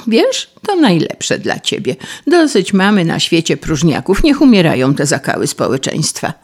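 A woman's voice: on the low side, huge pitch swings, normal speed, full character voice. A woman voicing a prim, cold-hearted female ladybird who moralizes scornfully. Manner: scornful and preachy.

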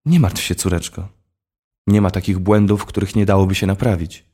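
A man's voice: low voice, steady tone, moderate pace, warm tone, slightly rough. A man doing a soothing, caring mom. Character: caring, reassuring mother. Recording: long hall reverb.

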